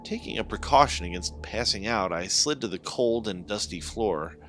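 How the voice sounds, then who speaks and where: A man reading a first-person horror story as a scripted, dramatic narration in an expressive, deliberate way. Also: on the low side, slight background noise. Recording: background music under the voice. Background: music.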